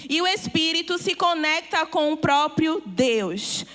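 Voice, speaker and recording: Young church woman, high voice, playful sermon with acted bits. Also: a little slow. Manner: animated, acts out voices of body and soul. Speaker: youth leader. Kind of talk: church talk with live role-play. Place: church hall.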